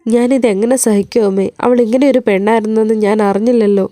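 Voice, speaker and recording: A woman's voice: on the high side, steady tone, fast, mellow, no room sound, clean studio sound, natural voice. A woman voicing a worried middle-aged mother who pleads anxiously. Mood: distressed.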